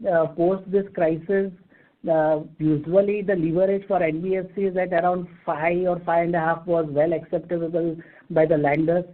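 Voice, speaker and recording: An executive man with an Indian accent gives methodical, formal explanations on an earnings call. His voice sits a little high. The sound is narrow and tinny, as over a telephone line. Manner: formal, methodical, enumerating points. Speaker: company executive answering investor questions. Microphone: telephone conference call.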